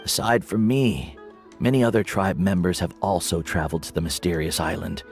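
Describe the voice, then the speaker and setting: An actor playing a wise older male tribal guide in a video game, kindly, measured and earnest in his explanations. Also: deep voice, gravelly. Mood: earnest, instructive. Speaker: mentor. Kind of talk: scripted game dialogue. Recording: background music under the dialogue.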